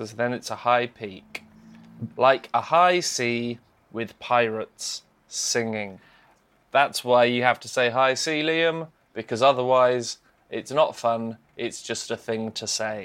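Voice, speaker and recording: Big swings in loudness run through this recording. A man talks at a very slow pace. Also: medium pitch for a man, ordinary pitch variation. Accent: English. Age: 30s. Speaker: podcast co-host. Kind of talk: casual chat. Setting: livestream, remote call.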